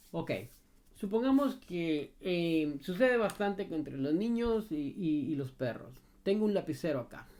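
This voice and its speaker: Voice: medium pitch, a little mellow. A dog trainer answering a viewer's question in a casual advice video, talking straight to the viewer and repeating points with a frequent "ok?". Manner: emphatic and repetitive, often asks "ok?"; talks straight to the viewer in familiar second person.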